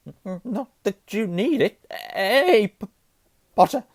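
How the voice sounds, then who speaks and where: Casting: nervous young male professor, high-pitched, severe stutter, storybook character. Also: expressive, slow, no room sound, clean studio sound, heavily acted. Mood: nervous, flustered. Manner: heavy nervous stammer.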